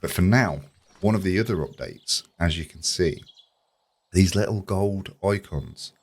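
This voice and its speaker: A man giving chatty, enthusiastic commentary as a let's play host, slightly croaky from a sore throat. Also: low voice, measured pace. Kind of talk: casual video game commentary.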